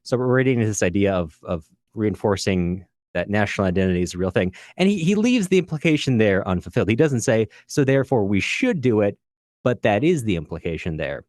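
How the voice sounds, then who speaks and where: A man's voice: lowish voice, very animated, fairly quick, a little mellow, dry recording, studio quality. A man speaking as a podcast co-host in an unscripted literary discussion, earnest and discursive, often correcting himself as he goes.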